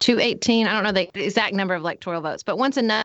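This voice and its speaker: A woman speaks at medium pitch in a normal speaking voice with ordinary pitch variation. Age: 30s. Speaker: political podcast co-host. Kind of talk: casual chat.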